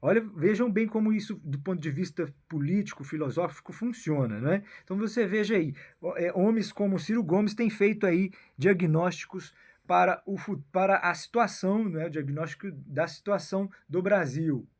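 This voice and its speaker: Brazilian man, high voice, halting political talk, habitual "né?" tags. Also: a little mellow. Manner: keeps adding "né?" and "meu filho"; halting, repeats and restarts phrases. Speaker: political commentator. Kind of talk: rambling political monologue.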